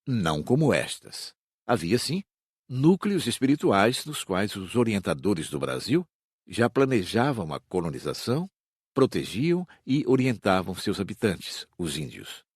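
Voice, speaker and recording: A man reading an audiobook in a measured, expressive way. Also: fairly low pitch, slightly rough, no echo, studio quality. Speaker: audiobook narrator.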